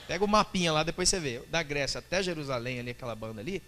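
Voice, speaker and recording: A man's voice: a little high, lively intonation, rapid-fire, sharp tone, slight background noise. Sex: man. Role: pastor. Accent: Brazilian Portuguese. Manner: colloquial, acts out dialogue. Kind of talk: sermon.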